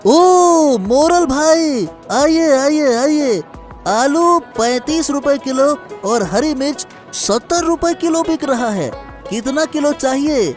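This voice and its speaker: A man's voice: extremely high pitch, animated, slow pace, soft background music, pitched above the performer's own voice, heavily acted. A man voicing a cheerful male vegetable vendor in a cartoon, welcoming and singsong.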